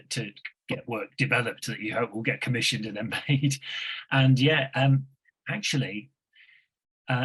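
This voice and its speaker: A man working as a radio drama producer, talking reflectively and haltingly on a video call, repeating phrases for emphasis. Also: medium pitch, a bit bright, slightly rough, poor audio. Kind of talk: conversational panel talk on an online call.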